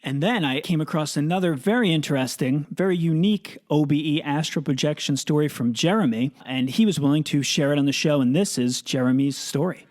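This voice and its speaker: A man's voice: on the high side, brisk, hardly any pauses. A man hosting a podcast, chatting casually and narrating between stories. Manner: relaxed, conversational, uses filler words. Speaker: podcast host.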